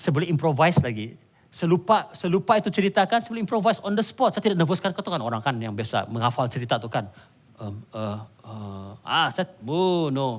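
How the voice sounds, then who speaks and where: An animated man at a fairly quick pace, his pitch swinging very widely. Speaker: pastor. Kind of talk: sermon. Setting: church.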